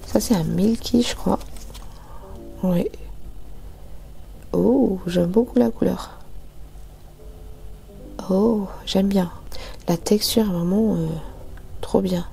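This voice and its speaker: Woman nail artist, product review voice-over, slow, gravelly, dark tone, hesitant with fillers. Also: mid-range voice, soft background music. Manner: hesitant, many fillers, soft asides half-whispered.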